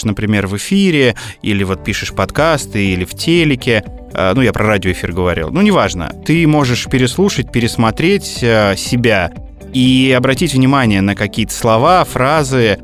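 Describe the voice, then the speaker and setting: Man telling a story with many fillers. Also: medium pitch. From Moscow region. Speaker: podcast co-host. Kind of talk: casual chat.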